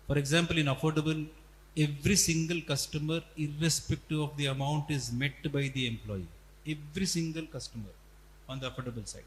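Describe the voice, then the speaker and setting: An Indian man answers as a company executive on a conference call, in a slightly high voice. He lays points out step by step and repeats for emphasis. The sound is echoey, in a reverberant hall with faint noise. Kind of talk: earnings call explanation.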